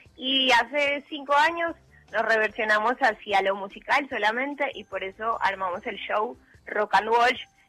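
In a Colombian accent, a woman talks with a fairly high-pitched voice. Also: ordinary pitch variation, fairly slow pace. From Colombia, Medellín. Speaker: children's music performer. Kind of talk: interview.

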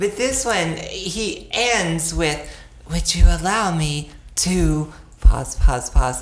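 Speaking at a very slow pace, a woman's loudness swings widely over noticeable background noise. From Nashville, Tennessee. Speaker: drag performer. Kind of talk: casual chat. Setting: studio.

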